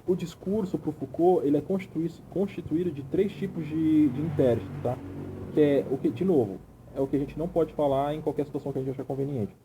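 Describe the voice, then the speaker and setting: A man's voice: on the high side, a little fast, noisy background. A man from Brazil teaching an informal video lesson, conversational and often checking in with the listener.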